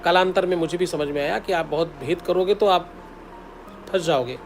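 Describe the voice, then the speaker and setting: A man's voice: fairly high pitch, normal speed, slight background noise. A man, a spiritual teacher, giving devotional advice in an instructive way, repeating the key steps and intoning mantras.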